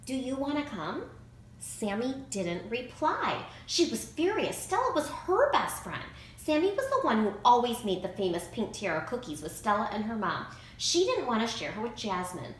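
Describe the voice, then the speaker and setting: A woman reading a children's picture book aloud in an expressive, emphatic way. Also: on the high side, moderate pace, few pauses. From United States. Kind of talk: read-aloud storybook narration. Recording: roomy echo, clear background noise.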